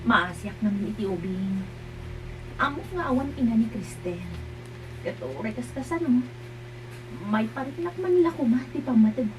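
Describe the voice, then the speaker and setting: A woman's voice: a little high, expressive, normal speed, long pauses, over music, close to an everyday voice. A woman playing a firm, insistent mother. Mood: hurt. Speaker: mother in an audio drama. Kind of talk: amateur drama acting. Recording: distant mic with loud hum.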